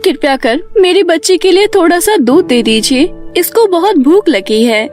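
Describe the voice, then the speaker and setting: A tender-hearted serpent woman and foster mother from an animated folk tale, acted by a woman. Her voice is extremely high, earnest and full of feeling. Soft music runs behind it. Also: moderate pace. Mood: humble, pleading. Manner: earnest, emotional, pleading. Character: devoted, pleading serpent woman raising a foster child.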